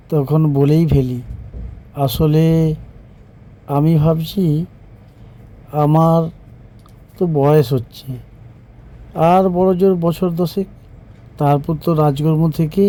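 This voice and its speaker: A man's voice: fairly high pitch, dark tone, rough recording. An actor playing an aging, worried king in a cartoon fairy tale, grave and thoughtful. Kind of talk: Bengali animated fairy-tale dialogue.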